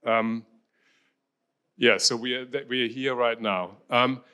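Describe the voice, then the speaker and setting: A man in his fifties with a German accent, a university researcher presenting a talk with slides, filling pauses with many ums and restarting phrases. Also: mid-range voice, fairly even intonation, sharp tone, clear, resonant tone.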